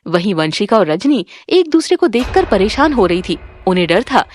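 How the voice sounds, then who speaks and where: A woman narrating a moral story in a dramatic, expressive way. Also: medium pitch, normal speed, slight background noise.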